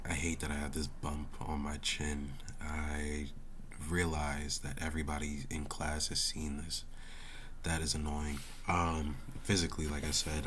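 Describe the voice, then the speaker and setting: A young man who is sick with a sore throat and losing his voice, rambling haltingly and casually in slangy talk for a personal vlog. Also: rumbling low, noisy background. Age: young adult. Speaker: college student vlogger.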